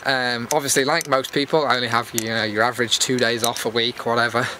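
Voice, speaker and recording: A YouTube host rambles to his viewers while walking through a public area outdoors, holding the camera in his hand. His voice is mid-range, his delivery flat and quick, and his humor self-deprecating. Outdoor background noise comes through clearly as he walks.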